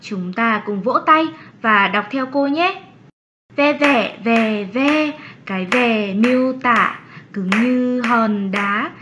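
A woman playing a kind, encouraging young primary school teacher in a children's cartoon lesson, with measured delivery. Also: fairly high pitch, noisy background.

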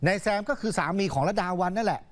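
A male news anchor tells the story in a loose, conversational way, keeping it chatty and casual. His voice sits a little high, and his delivery is relaxed and talkative. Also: rapid-fire. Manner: casual, chatty, uses polite particles.

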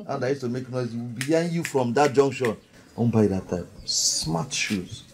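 A man's voice: medium pitch, moderate pace, slight background noise, lightly acted. An actor with a Nigerian accent playing a doting father in a film drama, coaxing and repeating himself. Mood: playful, indulgent. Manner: coaxing, repetitive, ends phrases with questioning hums. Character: doting, indulgent Nigerian father coaxing his young daughter.

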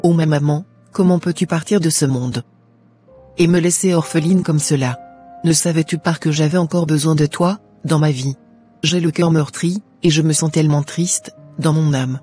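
A woman's voice: low-pitched, fairly even intonation, moderate pace, mellow, lightly acted. A woman voicing a headstrong, regretful young orphaned daughter in an amateur Christian cartoon, lamenting dramatically over music. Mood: grieving, regretful.

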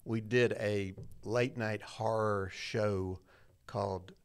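A man's voice: fairly low pitch, steady tone, slow, clean tone. A middle-aged man telling his story in a casual, rambling, self-deprecating way as a podcast guest. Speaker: church media director, guest.

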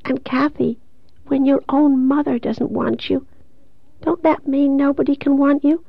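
A woman's voice: sits high, fairly even intonation, unhurried, gravelly, no room sound, narrow, tinny audio, voice pushed up. A woman voicing a dying young woman in an audiobook, childlike, plaintive and despairing, in a thin, faint voice. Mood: anguished, hurt.

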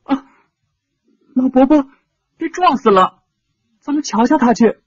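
A man voicing a timid, tender-hearted little girl who speaks softly and hesitantly. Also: extremely high pitch, expressive, measured pace, slightly rough, dry recording, dull audio, pitched above the performer's own voice, heavily acted. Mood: gentle.

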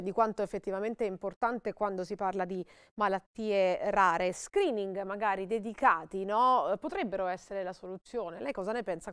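A woman's voice: mid-range voice, smooth, dry recording, clean studio sound. A woman hosting a TV health show, asking prepared questions and prompting her guest. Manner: prepared, leading questions with a rising "no?". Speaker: TV host. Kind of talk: TV health interview.

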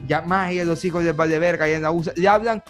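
Hombre joven, acento salvadoreño, voz aguda, charla cómica y relajada, música suave de fondo. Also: male voice, a little high, fast talker, soft background music. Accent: Salvadoran Spanish. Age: young adult. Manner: joking, slangy, animated. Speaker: podcast host. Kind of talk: casual comedic chat. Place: small room at home, indoors. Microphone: desk microphone with headphones.

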